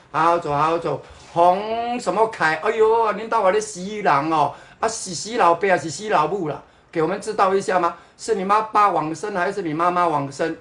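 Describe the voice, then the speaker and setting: Sarcasm runs through this livestream as a Singaporean man ridicules his viewers in the chat. His high, fairly bright voice rings with reverb, and his Mandarin, accented the Singaporean way, slips into Hokkien words and English.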